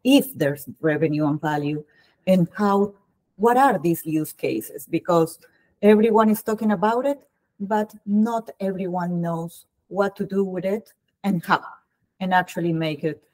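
A woman's voice: on the low side, unhurried, a little mellow, low-quality recording. A woman in her thirties with a Colombian accent, hosting a casual interview over a video call, chatty with frequent restarts. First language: Spanish. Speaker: host. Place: home room.

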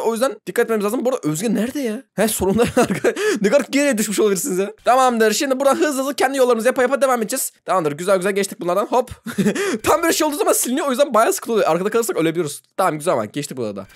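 A fast-talking young man giving playful gaming commentary. His voice jumps up and down in pitch, and he laughs a lot and shrieks at surprises. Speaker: gaming YouTuber. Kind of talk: let's play commentary.

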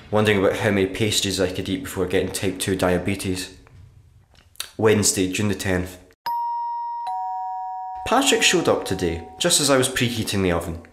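A man playing a sullen, sardonic writer narrating his diary in a black comedy radio play, dry and deadpan. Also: low voice, close to an everyday voice. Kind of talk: dramatic monologue, diary narration in a black comedy audio drama. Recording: roomy echo with background noise.

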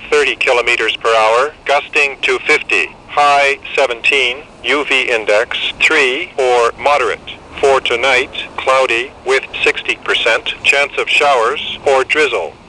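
Robot-ish guy reading weather forecast, choppy phrases, super sharp tinny little radio speaker, bit of noise. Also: mid-range voice. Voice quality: synthetic, segmented delivery. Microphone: camera held near radio's speaker. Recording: noisy weather radio through small handheld speaker.

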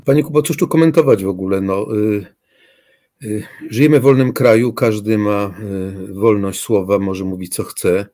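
Older man, low mellow voice. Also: no echo. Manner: slow, hesitant, with frequent filler sounds. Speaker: guest professor, philosopher. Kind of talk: interview answers. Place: home study with bookshelves.

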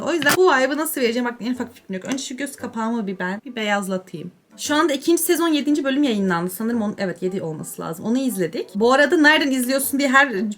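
A woman's voice: a little high, a bit bright, slight background noise. A young woman chatting casually to her viewers while doing her makeup, self-mocking and drifting into mutters. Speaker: beauty vlogger.

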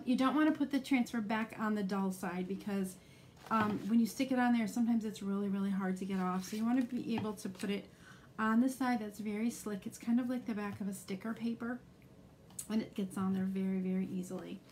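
A woman's voice: mid-range voice, fairly even intonation, a little fast, darkish tone, slight background noise. A middle-aged woman demonstrating a craft live, explaining each step in a chatty way with frequent ums.

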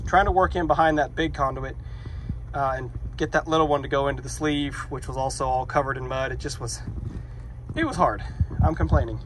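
A man's voice: medium pitch, fairly quick, slight background noise, rough recording. A man talking casually outdoors while he works, explaining each step and poking fun at his own mistakes, recorded on a handheld phone. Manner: chatty, self-deprecating, explains as he works. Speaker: vlogger doing electrical work. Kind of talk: casual how-to walkthrough. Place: outdoors by a metal shop, rainy muddy yard.

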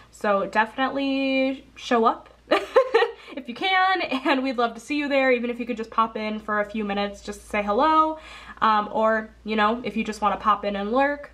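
A young woman with a slightly high voice chats casually through a congested nose. She rambles a bit, dropping ums and correcting herself as she goes. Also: a bit bright. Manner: chatty, rambling, frequent ums and self-corrections. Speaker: coloring channel host. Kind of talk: casual haul video chat. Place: indoors at a table.

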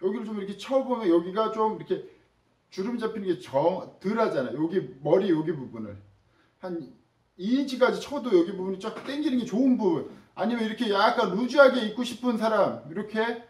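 Male sewing instructor, higher voice, casual and chatty with viewers; roomy sound, mic set back. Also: fairly quick, far from the mic. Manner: chatty, demonstrative, addresses viewers directly.

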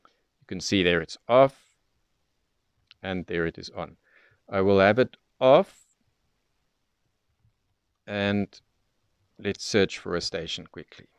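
Speaking low and slowly with frequent pauses, a man gives an unscripted product demo for a radio tutorial, going through it step by step. His tone is clear and resonant, and there's no room sound.

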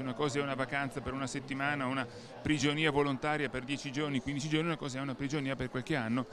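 A middle-aged man being interviewed at an exhibition stand, earnest and stumbling over his words into a handheld mic. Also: medium pitch. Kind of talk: interview at a book fair stand. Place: busy exhibition hall stand. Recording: crowd chatter behind.

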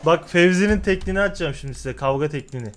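A man's voice: a little high, rapid-fire, a bit bright. A man hosting a casual chat, playful and teasing, pointing things out to his co-host. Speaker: show host.

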